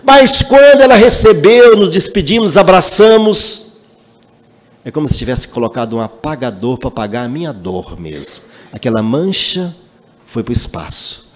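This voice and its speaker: Lively man lecturing. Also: a little high, normal speed. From Minas Gerais, Brazil. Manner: emphatic, animated storyteller. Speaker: lecturer at a spiritist center. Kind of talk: spiritual lecture with personal storytelling. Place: spiritist center meeting hall. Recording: long hall reverb.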